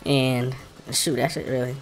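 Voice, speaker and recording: A man's voice: mid-range voice, fairly even intonation, measured pace, rough recording. A man with an African American English accent gives casual commentary while playing a video game, informally thinking aloud and muttering to himself. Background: game music.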